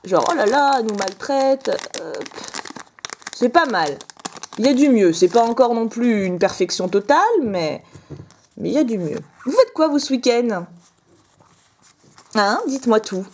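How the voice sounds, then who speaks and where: A woman's voice: a little high, lively intonation, measured pace, pauses often, darkish tone, slight background noise. A young woman chatting casually to camera while opening trading cards, bubbly and playful, laughing often with a put-on southern French lilt. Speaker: card-opening vlogger.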